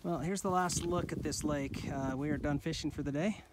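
A man's voice: fairly high pitch, a little fast, background noise. A man casually narrating an off-trail mountain hike, talking to his camera outdoors in rocky terrain. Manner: relaxed, offhand commentary. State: out of breath at times. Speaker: hiking vlogger. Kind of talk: casual narration while hiking. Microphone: handheld camera.

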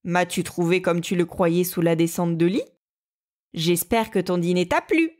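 A woman's voice: on the low side, normal speed, a little mellow, lightly acted. A woman voicing a cunning, cheeky young male rabbit who mocks his enemies in a teasing voice. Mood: taunting. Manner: teasing, mocking calls.

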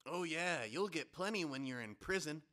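A man's voice: on the high side, animated, normal speed, noisy background, natural voice. A man acting a commanding, sardonic police officer in an amateur audio drama. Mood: dry, threatening.

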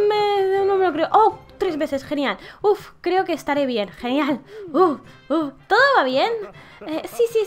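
High-voiced, animated woman gamer. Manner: reads game dialogue aloud in playful put-on voices. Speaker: gameplay video creator. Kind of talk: playful gameplay commentary. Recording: faint music behind.

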